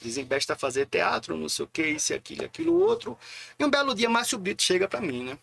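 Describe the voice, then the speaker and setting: A man, speaking in a gravelly voice set a little high. He tells lively anecdotes as a guest in a casual live interview and acts out the voices of the people he quotes. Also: fast. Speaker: guest poet.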